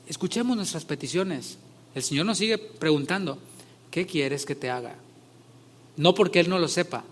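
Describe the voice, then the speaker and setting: Male pastor, fairly high voice, conversational sermon with emphatic swells. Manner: conversational, rising loud when retelling scripture scenes.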